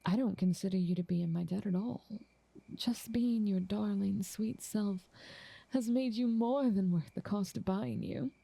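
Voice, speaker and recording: A woman voicing an ancient, motherly vampire in an ASMR roleplay, soft, half-whispered, doting and possessive, speaking in an unhurried, genteel way. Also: mid-range voice, vocal fry, no room sound. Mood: tender, possessive.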